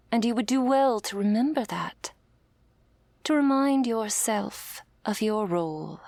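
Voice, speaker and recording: Actress as patronising female elder angel for ASMR role-play audio drama; stern, measured, breathy with gravelly fry, dry close sound. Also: medium pitch, a little mellow, no echo. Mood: stern, commanding. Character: stern, condescending female elder angel, commanding mother superior.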